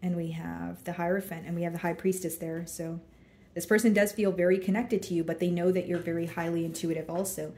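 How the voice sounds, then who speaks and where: A woman reads tarot in a relaxed, chatty way, filling pauses with likes and you knows as she turns each card. Her voice sits a little low and sounds mellow. The room gives it a noticeable echo. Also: a little hiss or hum. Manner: relaxed and chatty, many fillers, talking through cards as she draws them. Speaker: tarot reader. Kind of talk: casual tarot reading to camera.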